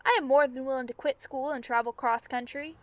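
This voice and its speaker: Woman playing a higher-voiced, earnest young student. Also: steady tone, a little fast, no room sound, natural voice. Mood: casual, earnest. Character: trusting, loyal young student on a road trip. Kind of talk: audio drama acting.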